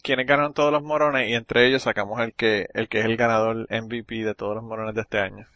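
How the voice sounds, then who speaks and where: A man hosting a podcast, talking in quick, joking bursts with a bright, forward tone. The recording is dry, with little room sound around him. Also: lowish voice, steady tone, dry recording, lo-fi sound. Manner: joking, laughs often, talks fast in bursts. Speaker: podcast host. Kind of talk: casual podcast chat.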